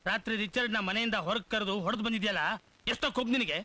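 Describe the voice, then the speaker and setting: Harsh teacher: fast, sharp-toned, scolds his pupils with contempt. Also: high voice, no echo, low-quality recording. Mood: angry scolding. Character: harsh strict male schoolteacher, grown man, scornful. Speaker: schoolteacher. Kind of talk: dubbed film drama acting.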